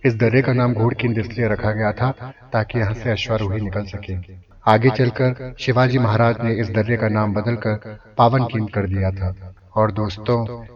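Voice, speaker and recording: A man narrating a scripted historical story in a formal, dramatic manner. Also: on the low side. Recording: distant, dull lo-fi, crowd noise behind.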